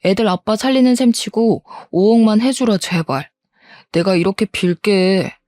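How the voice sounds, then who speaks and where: A woman's voice: mid-range voice, normal speed, warm tone, no echo, close to an everyday voice. A woman voicing a bitter, self-pitying middle-aged husband in an audio drama, who swings between begging and defiance.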